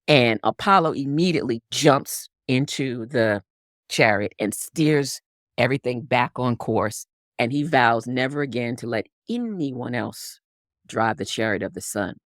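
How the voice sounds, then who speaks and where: A woman's voice: rumbling low, expressive, measured pace, no echo, clean studio sound. A woman guest telling a story in conversation, acting out characters with big swings in voice. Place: Harlem upbringing.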